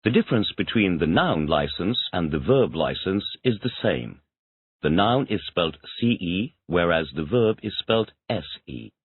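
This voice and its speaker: Deep husky man answering drill questions. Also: big pitch swings, unhurried, dry recording. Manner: repeats each question back in complete sentences. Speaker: English student. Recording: tinny phone-like dry audio.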